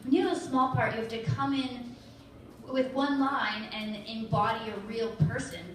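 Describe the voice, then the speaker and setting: A woman's voice: mid-range voice, noisy background. Modest woman on an echoey convention panel. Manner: modest, laughing, filler-heavy. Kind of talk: casual panel Q&A answers. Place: large convention hall. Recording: echoey hall, camera far from stage.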